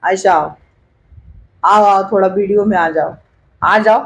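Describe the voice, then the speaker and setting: A woman's voice: medium pitch, unhurried, a little hiss or hum, low-quality recording. An older woman, a grandmother vlogging at home, coaxing her baby granddaughter with repetitive sing-song baby talk into a hand-held clip-on mic. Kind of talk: home family vlog.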